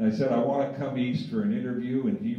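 A man's voice carries audible room echo. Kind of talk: storytelling talk to audience. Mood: humorous anecdote. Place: hall.

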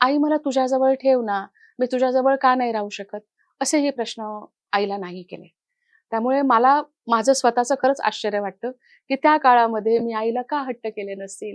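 A high-pitched woman's voice with big swings in loudness, a dry, close sound with no echo, and a quiet background. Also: ordinary pitch variation. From Maharashtra, Vidarbha and Pune. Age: 50s. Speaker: social worker running an NGO. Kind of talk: interview. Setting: studio.

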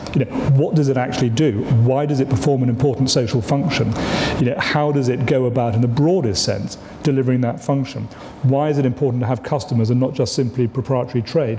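Light background noise sits behind a man. He talks at a very fast pace with fairly even intonation. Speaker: politician answering audience questions. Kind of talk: interview answer. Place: stage.

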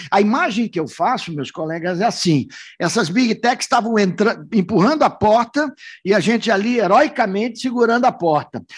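Over a quiet background, a man with a high voice talks at a moderate pace with lively intonation. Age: 60s. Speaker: professor; speaker. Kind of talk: conference talk. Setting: auditorium with audience. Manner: halting. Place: meeting room. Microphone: podium.

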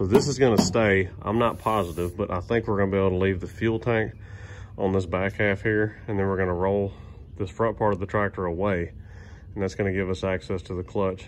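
An ordinary speaking voice from a man, fairly low in pitch and fairly quick, with fairly even intonation and light background noise. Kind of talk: tutorial. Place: garage. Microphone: phone near.

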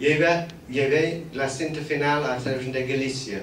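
A man with a non-native accent speaks at a very slow pace and with fairly even intonation. The recording carries audible room echo and light background noise. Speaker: documentary filmmaker. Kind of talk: public presentation speech; prepared speech. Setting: museum event with audience. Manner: halting. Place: hall.

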